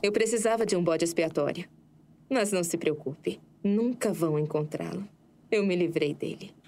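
An actress with a Brazilian accent playing a seductive, scheming nightclub singer and killer in an audio drama, coy and flirtatious. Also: female voice, fairly low pitch, moderate pace, a little mellow, a little hiss or hum, close to an everyday voice. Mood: seductive, sinister.

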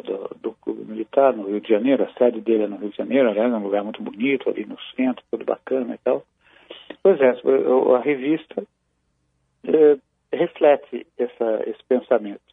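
A Brazilian man commenting on military affairs in a halting, measured way, with many restarts. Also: medium pitch, gravelly, slightly rough, dry recording. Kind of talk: phone-in analysis on a news program. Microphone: phone. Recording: tinny phone line.

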